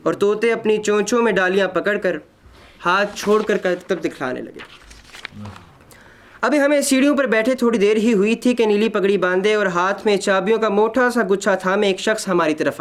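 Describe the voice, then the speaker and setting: Man, high voice, literary narrator, dramatic reading, expressive, measured.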